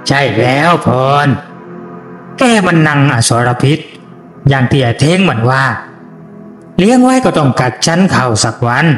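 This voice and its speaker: A man's voice: medium pitch, very animated, unhurried, long pauses, fairly bright tone, roomy sound. Cruel gang boss, voiced by a man, sneering, gloating, faint background music.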